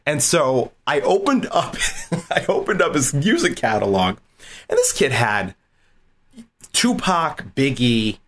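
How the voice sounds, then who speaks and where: A man from southeastern Massachusetts, a college dean and interview guest, telling animated stories, laughing often and repeating words. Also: mid-range voice, slow pace. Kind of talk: casual interview storytelling.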